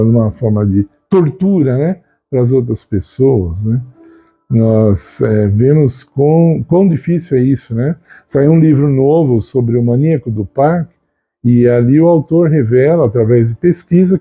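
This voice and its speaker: A man giving an unhurried, conversational spiritual talk, often tagging his sentences with a questioning "né?". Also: mid-range voice, mellow, husky. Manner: unhurried, conversational, frequent "né?" tags. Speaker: Christian video host. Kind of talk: reflective spoken teaching.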